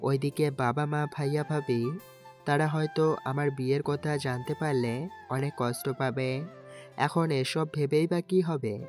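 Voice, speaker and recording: A man's voice: on the high side, steady tone, unhurried, a little mellow, close to an everyday voice. A man playing an anxious, ordinary college student in an audio story, earnest and pleading in his delivery. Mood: brooding. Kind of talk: Bengali audio story acting and first-person narration. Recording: music under the voice.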